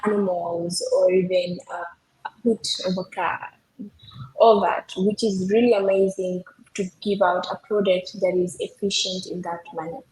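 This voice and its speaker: A woman's voice: lowish voice, level tone, normal speed, darkish tone. Young woman explaining a project, echoey room. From Kenya. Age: young adult. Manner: earnest, explanatory, frequent fillers. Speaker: software developer presenting her team's project. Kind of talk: technical project demo. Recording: echoey room with faint background noise.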